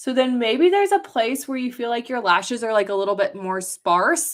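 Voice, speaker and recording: A woman speaks in an ordinary speaking voice, fairly high in pitch with lively intonation. The recording is very clean, the background silent. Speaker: makeup seller presenter. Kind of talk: live-stream makeup tutorial.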